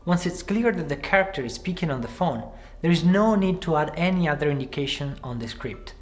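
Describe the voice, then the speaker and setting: A man in his thirties presenting a scripted screenwriting tutorial to camera from a small room, speaking in a clear, measured way. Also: fairly high pitch, animated. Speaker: screenwriting teacher. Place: small room with cards pinned on the wall.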